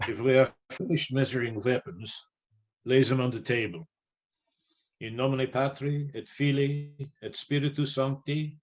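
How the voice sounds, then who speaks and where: A man's voice: medium pitch, fairly even intonation, a little slow, natural voice. A man playing a resolute professor who leads vampire hunters, commanding and solemn, in a live radio play.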